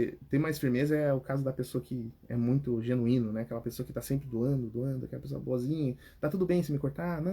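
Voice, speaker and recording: A young adult man with a Brazilian Portuguese accent, giving advice on public speaking as a coach in a direct, animated chat. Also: mid-range voice, slightly rough. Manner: animated, direct, repeats words and restarts. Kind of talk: casual advice talk.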